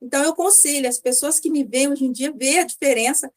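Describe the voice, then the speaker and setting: A woman's voice: high voice, quick pace. A Brazilian woman in her fifties giving a chatty personal testimonial as a mentoring client, often acting out little dialogues. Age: 50s. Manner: chatty, acts out dialogues, frequent tag questions.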